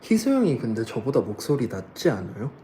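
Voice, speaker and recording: A man's voice: mid-range voice, big pitch swings, brisk, mellow, a little hiss or hum. A young man casually chatting with fans on a livestream, laughing often and answering comments. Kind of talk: casual live chat reading comments.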